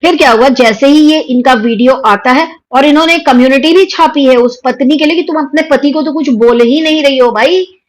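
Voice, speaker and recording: Indian woman host, high-pitched, scolding and indignant reaction commentary. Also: normal speed, low-quality recording. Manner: indignant, scolding, mocking quotes. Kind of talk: heated commentary on influencer drama.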